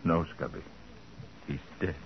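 An actor playing a calm, commanding male private detective in a brisk, authoritative 1940s radio drama style. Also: natural voice. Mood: grave, gentle. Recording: noisy, muffled old radio broadcast.

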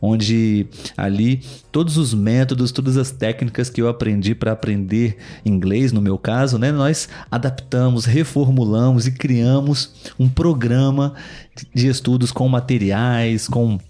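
A man's voice: mid-range voice, fairly even intonation, a little slow, dark tone. A man with a Brazilian Portuguese accent, hosting a podcast in a casual, chatty way with many fillers and asides to his co-host.

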